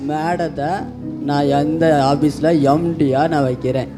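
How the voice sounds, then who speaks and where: A man's voice: a little high, fairly even intonation, measured pace, over music, natural voice. A man voicing a firm male office owner in a church puppet show. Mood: stern. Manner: firm, then teaching the children. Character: stern male office owner, fair boss.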